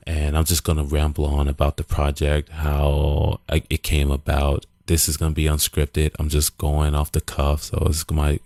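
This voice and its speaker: A man hosting a podcast, talking off the cuff in a halting, self-deprecating, rambling way. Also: a bass voice, warm tone, dry recording. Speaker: podcast host and writer. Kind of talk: unscripted rambling talk.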